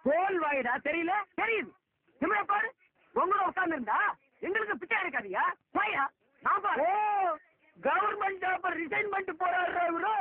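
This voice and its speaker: அ திட்டிக் கேலி செய்யும் உயர் குரல் ஆண், பழைய டப்பா ஒலிப்பதிவு. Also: male voice, very high voice, expressive, normal speed, gravelly, no echo. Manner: scolding, mocking insults. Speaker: comic film actor. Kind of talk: film comedy scene. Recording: tinny lo-fi film audio.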